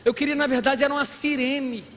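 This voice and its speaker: High-voiced, animated pastor in reverberant hall. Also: male voice, brisk. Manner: animated, humorous preaching with acted-out dialogue. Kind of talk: sermon. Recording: long hall reverb, faint room noise.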